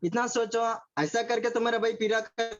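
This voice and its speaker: A man's voice: very high voice, completely flat delivery, normal speed, faint music behind. A man preaching a sermon over a video call, repeating phrases, asking his listeners questions and mixing in English words. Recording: dull lo-fi call audio.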